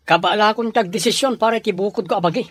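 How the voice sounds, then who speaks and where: An actor playing a proud, defiant young adult son in a radio drama, with a Filipino Ilocano accent. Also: male voice, sits high, fast, fairly bright tone, dry recording.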